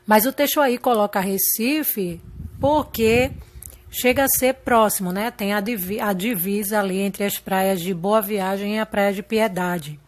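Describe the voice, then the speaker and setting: Slow, patient teacher woman. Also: medium pitch. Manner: patient and explanatory, checks in with "tá?" and "ok?". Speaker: primary school teacher. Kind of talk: slow recorded lesson.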